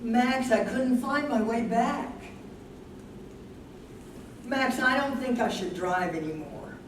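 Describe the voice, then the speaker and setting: A woman's voice: a little high, slow. A woman playing an aging, wistful wife who is losing her memory, in a staged reading. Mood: resigned, plain. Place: live staged reading in an echoey room. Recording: roomy, distant stage recording with noise.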